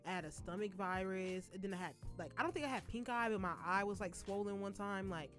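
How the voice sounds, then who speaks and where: A young woman co-hosting a casual college radio chat, animated and quick to laugh, full of slang. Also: mid-range voice, faint music behind. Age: young adult. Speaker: co-host. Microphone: studio mic.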